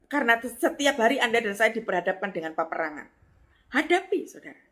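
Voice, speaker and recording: A middle-aged woman pastor, preaching a lively sermon and acting out voices with sudden high exclamations. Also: quick pace.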